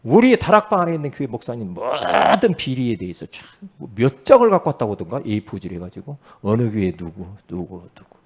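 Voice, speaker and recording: Husky, emphatic male pastor preaching. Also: mid-range voice, sing-song, brisk. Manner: emphatic, conversational preaching with sudden loud rises. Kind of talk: sermon.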